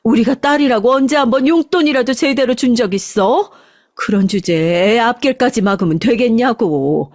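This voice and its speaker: A woman's voice: mid-range voice, normal speed, dry recording, clean studio sound, natural voice. A woman voicing a fierce, protective middle-aged mother who stands up for her daughter. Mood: indignant. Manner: shouting, indignant.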